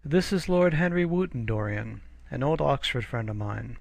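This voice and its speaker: A man doing a fretful, gravelly painter. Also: mid-range voice, expressive, voice pushed up. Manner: hurried, slightly fretful. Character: earnest, worried male painter.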